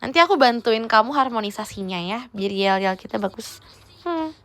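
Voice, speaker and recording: A woman's voice: on the high side, lively intonation, normal speed, fairly bright tone. A young woman, chatting teasingly in a playful role-play livestream and dropping in English words. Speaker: idol livestreamer.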